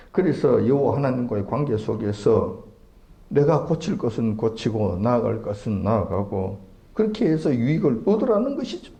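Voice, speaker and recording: A man preaching a sermon, emphatic and fond of rhetorical questions that swing up in pitch. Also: dark tone, roomy sound, highs cut off.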